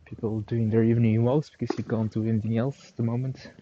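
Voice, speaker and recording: A man's voice: mid-range voice, flat delivery, fast, dark tone, lo-fi sound, a little hiss or hum. A Flemish man whose first language is Dutch, chatting casually on a live-stream walking tour of city streets at night and answering viewers' questions with lots of hedging.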